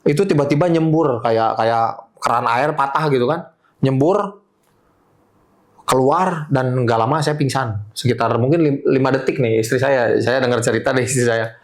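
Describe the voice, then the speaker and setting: A man calmly recounting a personal testimony in an interview, speaking plainly and casually. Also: mid-range voice, moderate pace. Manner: calm, plain storytelling with casual fillers. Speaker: guest sharing testimony.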